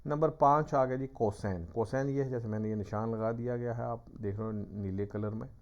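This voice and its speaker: A male teacher with a mid-range, steady voice gives a classroom lecture, patiently explaining things step by step with examples. The recording is dull and lo-fi.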